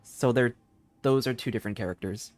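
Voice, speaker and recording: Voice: medium pitch, a little fast, a little mellow, a little hiss or hum. A game streamer giving casual live commentary, giggly, rambling and enthusiastic.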